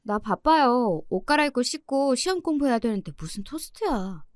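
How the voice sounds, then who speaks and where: A woman's voice: sits high, expressive, normal speed, no room sound, clean studio sound. A woman voicing an irritable teenage girl student who whines and snaps back. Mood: annoyed. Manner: whiny, snapping, exasperated.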